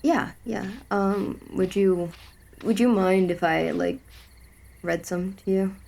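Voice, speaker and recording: A woman playing a shy, sentimental young man who speaks haltingly. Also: mid-range voice, steady tone, creaky, darkish tone.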